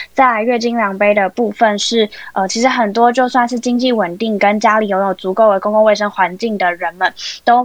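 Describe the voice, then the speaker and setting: A woman with an unremarkable speaking voice talks at a moderate pace and fairly high pitch, her intonation fairly even. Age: 20s. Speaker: nonprofit founder. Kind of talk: online panel discussion. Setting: online audio chat room.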